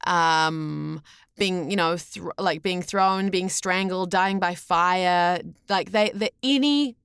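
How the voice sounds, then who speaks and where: Low-voiced young New Zealand woman, candid. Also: slow pace, clean tone, no echo, studio quality. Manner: candid, expressive, wordy with self-corrections. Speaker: guest, voice actor. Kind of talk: casual podcast conversation.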